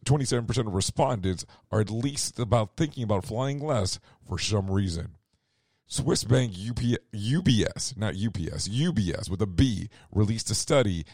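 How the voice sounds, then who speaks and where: A man is hosting a radio talk show as his voice turns hoarse, his low tone dry, close and a little mellow with no echo. In casual news commentary, he rambles, often corrects himself and slips in sarcastic remarks.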